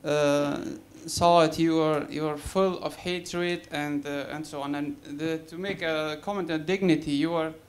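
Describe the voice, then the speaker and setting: A man from Afghanistan in the audience, making a halting, accusing comment at a public debate with many fillers. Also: on the high side, fairly even intonation. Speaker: audience member.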